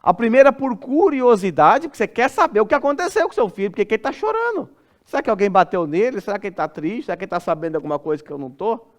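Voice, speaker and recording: A Brazilian Portuguese-accented man preaches an expository sermon in a church, his voice sitting fairly high for a man. He preaches expressively, sinking to a soft, low tone whenever he acts out a parent comforting a child. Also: sing-song, rapid-fire. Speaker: pastor.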